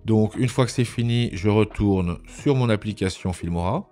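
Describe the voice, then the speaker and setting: Low-voiced man narrating a software tutorial. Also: soft background music. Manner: methodical, explanatory, with frequent hesitant pauses. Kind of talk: informal step-by-step screencast narration. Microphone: voice-over recorded on a microphone at a computer.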